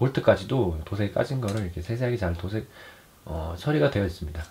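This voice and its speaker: Swinging very widely in pitch, a man talks with a somewhat breathy voice. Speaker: toy reviewer. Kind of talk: casual unboxing review talk to camera.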